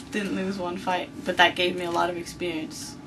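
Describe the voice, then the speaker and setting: At a moderate pace and with fairly even intonation, the voice carries audible room echo and noticeable background noise. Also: woman. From Brazil. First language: Portuguese. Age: 20s. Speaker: jiu-jitsu competitor and instructor. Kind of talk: interview. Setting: grappling camp after class.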